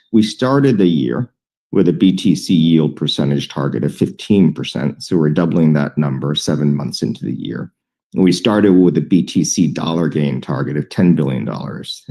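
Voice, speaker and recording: Man, deep voice, soft mellow tone, company executive on an earnings call, measured, deliberate, hesitant pauses. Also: creaky. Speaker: company executive presenting financial guidance.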